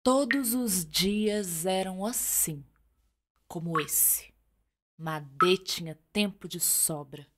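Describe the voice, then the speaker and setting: A woman with a Brazilian accent narrating a radio serial as theatrical storytelling, with deliberate dramatic pauses. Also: on the low side, slight background noise.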